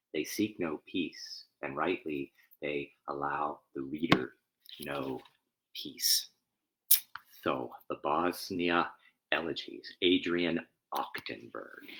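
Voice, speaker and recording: A man who is a minister, speaking in a reflective, halting way as he introduces and reads poetry. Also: extremely low pitch, creaky, a bit bright, rough recording. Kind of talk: informal spoken introduction and poetry reading.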